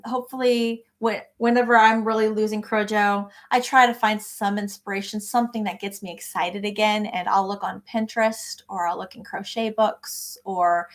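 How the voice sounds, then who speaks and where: A woman hosting a live crochet session, chatting casually and answering viewer comments by name in an encouraging way. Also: mid-range voice. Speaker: crochet livestream host. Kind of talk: casual livestream chat reading comments.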